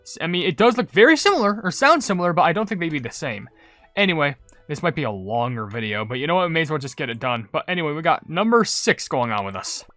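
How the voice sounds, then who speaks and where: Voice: medium pitch, sing-song, fast, a bit bright, no room sound, soft background music. A gaming video maker giving casual commentary in a rambling, hesitant way.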